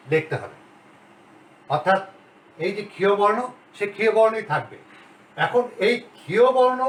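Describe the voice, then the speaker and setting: A male grammar lecturer teaching a class at the board, talking slowly and deliberately and repeating the key sounds. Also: high voice, a bit bright, recorded from a distance. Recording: roomy, off-mic, faint hiss.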